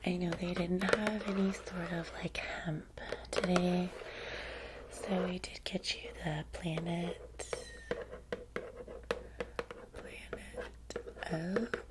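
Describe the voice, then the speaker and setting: A woman playing a vampire's chatty, fawning young assistant in an ASMR roleplay, soft-spoken and breathy, with an American Valley girl accent and rambling, hesitant phrasing. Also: on the low side, little pitch movement, slow pace, pauses often, very noisy. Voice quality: breathy, mostly whispered.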